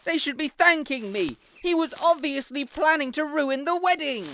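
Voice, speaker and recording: A man's voice: very high voice, normal speed, pushed and bright, a little hiss or hum, heavily acted. A man voicing an indignant, insecure young superhero in an audio roleplay, whiny, pompous and melodramatic. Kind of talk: scripted audio roleplay acting.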